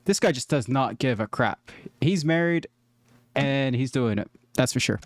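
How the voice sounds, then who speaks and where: A man's voice: medium pitch, animated, measured pace, no room sound. Joking male streamer, dry sound. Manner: joking, chatty, talks to viewers. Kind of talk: casual reaction commentary.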